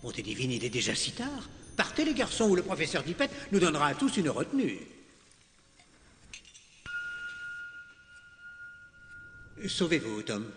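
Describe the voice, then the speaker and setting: A man's voice: medium pitch, very animated, fairly quick, fairly bright tone. A man playing a genial but uneasy older wizard schoolmaster in a dubbed fantasy film, avuncular and theatrical. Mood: jovial, flustered. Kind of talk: dramatic film dubbing. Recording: echoey hall, film music behind.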